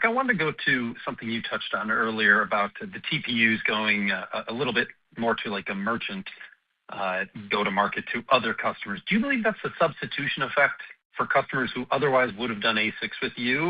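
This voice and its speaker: A man, a financial analyst, politely asking a question on an earnings call, with a slightly hedging manner. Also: medium pitch. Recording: lo-fi conference call audio.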